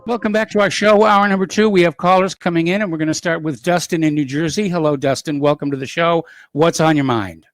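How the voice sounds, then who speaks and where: A man's voice: fairly high pitch, brisk, hardly any pauses, no echo. A man hosting a talk radio show, speaking in a plain, matter-of-fact way and answering callers briefly.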